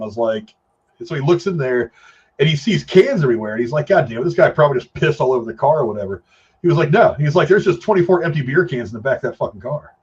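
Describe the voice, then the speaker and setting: Husky man, muffled sound. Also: fairly high pitch. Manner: profane, slangy, rambling storyteller. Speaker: podcast co-host. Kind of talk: casual film chat and anecdote-telling.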